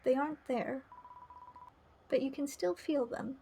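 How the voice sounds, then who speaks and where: High-pitched, creaky woman streaming a game. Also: a little slow, dark tone, a little hiss or hum. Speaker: streamer playing a visual novel. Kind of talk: live game stream, reading dialogue aloud with chatty asides.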